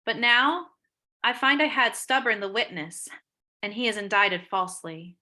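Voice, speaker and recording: A woman reading the part of a gentle, troubled young noblewoman in Shakespearean verse, earnest and expressive. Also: medium pitch, moderate pace. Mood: troubled, self-reproaching. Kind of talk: Shakespeare read-aloud, dramatic verse.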